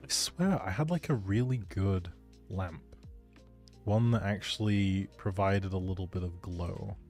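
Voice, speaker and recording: A man's voice: sits low, a little slow, a little mellow, soft background music. A man chatting casually to viewers on a game livestream, musing aloud as he plays. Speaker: game streamer. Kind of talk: casual livestream chat while playing a life-simulation game.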